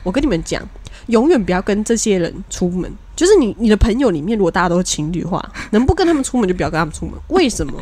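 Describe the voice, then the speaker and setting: Lively woman telling a story. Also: medium pitch, rapid-fire, breathy edge. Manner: animated storyteller who acts out friends' lines. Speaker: podcast co-host. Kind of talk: casual podcast chat.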